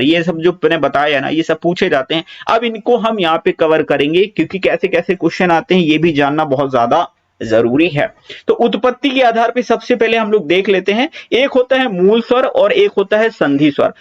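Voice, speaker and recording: Male exam tutor, high voice, self-questioning, drags out vowels to demonstrate; muffled lo-fi audio. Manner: repeats key points, asks and answers his own questions; draws out vowel sounds to demonstrate them. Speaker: teacher. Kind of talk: exam-prep lecture.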